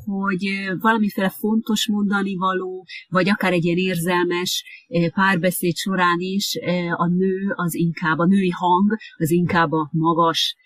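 An interviewer in a relaxed conversation who talks thoughtfully, with frequent filler sounds and restarts. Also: mid-range voice, few pauses, dry recording. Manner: hesitant, many filler sounds. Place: lives in Japan.

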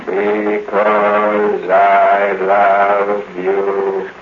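An actor voicing an obedient hulking robot in a slow, halting monotone for a 1950s radio drama. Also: male voice, fairly low pitch. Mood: flat, obedient. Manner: slow, flat, halting monotone that echoes commands. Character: obedient hulking mechanical man, a slave robot. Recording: dull noisy old radio recording.

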